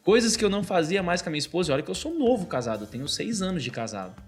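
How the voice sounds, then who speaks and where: A man in his thirties, a podcast guest, telling a personal faith story in casual chat, animated and full of filler words. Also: high-pitched, racing, faint music behind. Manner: animated storytelling, constantly says "cara".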